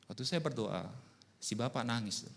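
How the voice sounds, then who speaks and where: A pastor preaching a sermon, telling stories and acting out both sides of the conversations. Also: male voice, medium pitch, moderate pace. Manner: animated storytelling, voices both sides of conversations. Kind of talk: sermon with acted-out dialogue.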